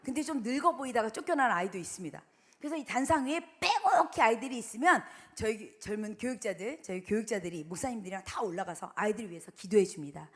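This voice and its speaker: A middle-aged woman missionary preaching a sermon, telling stories in a lively way and acting out the quotes. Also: fairly high pitch. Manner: animated storytelling, acts out quotes.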